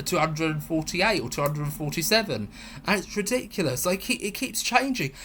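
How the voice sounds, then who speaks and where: Loud and with an English accent, a man speaks at a fairly high pitch. His tone is bright and sharp. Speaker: film reviewer. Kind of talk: rant. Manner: halting.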